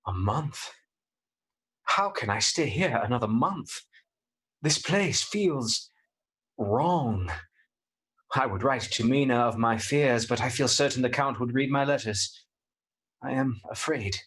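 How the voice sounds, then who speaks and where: An anxious, earnest young gentleman. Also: medium pitch, takes it slowly, pauses often. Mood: afraid. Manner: earnest, polite, uneasy. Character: anxious young English gentleman trapped in a castle. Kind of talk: radio play acting, dramatic diary narration.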